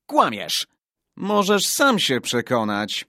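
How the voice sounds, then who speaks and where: A man's voice: lowish voice, sing-song, extremely slow, bright, forceful tone, no echo, studio quality, exaggerated voice. A man voicing cocky, quarrelsome young boys in a story, taunting and boasting childishly. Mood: boastful, threatening. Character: cocky, quarrelsome young boy spoiling for a fight.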